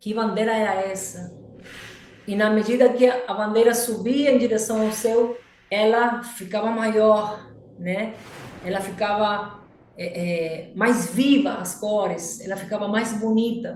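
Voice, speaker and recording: A woman's fairly high voice in a Spanish accent, very slow and fairly even in intonation, with audible room echo and noticeable background noise. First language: Spanish (speaking Portuguese). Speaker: church member giving testimony. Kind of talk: testimony. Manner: halting.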